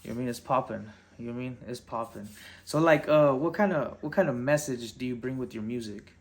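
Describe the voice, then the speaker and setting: A man's voice: mid-range voice, quick pace, reverberant. A man hosting a casual interview, hyped and slangy, chiming in with short affirmations. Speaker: host.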